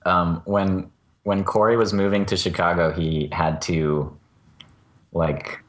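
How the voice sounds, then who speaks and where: A man's voice: deep voice, little pitch movement, slow pace. A man co-hosting a podcast in casual chat, talking hesitantly with fillers. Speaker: podcast co-host.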